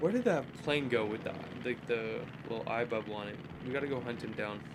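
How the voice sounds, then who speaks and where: Over noticeable background noise and audible room echo, a man speaks at a fairly quick pace with a medium pitch and ordinary pitch variation. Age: 20s. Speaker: gaming streamer. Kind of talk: casual chat. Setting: live stream. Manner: fast.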